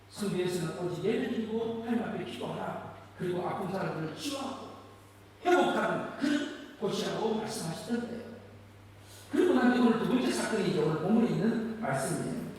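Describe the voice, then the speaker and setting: Animated pastor in an echoey church. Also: male voice, sits high. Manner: animated storytelling with rhetorical questions. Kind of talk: sermon. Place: large church sanctuary.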